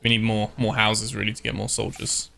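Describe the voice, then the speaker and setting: A man giving relaxed, casual commentary as he streams a strategy game, thinking aloud with frequent ums. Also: fairly low pitch, fairly quick, vocal fry. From born in Scotland, raised in Ireland. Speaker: live-streamer.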